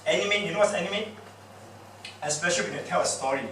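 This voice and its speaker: Singaporean man, animated trainer, playful with the audience; distant mic in an echoey room, noisy background. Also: high voice, quick pace. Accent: Singaporean English. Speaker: public speaking trainer. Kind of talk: lively workshop talk to an audience.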